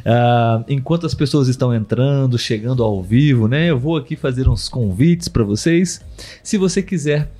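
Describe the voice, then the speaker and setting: A man's voice: medium pitch, normal speed, warm tone. A Brazilian man hosting a casual live podcast for language learners, explaining things didactically and often restating with synonyms. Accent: Brazilian Portuguese. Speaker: podcast host.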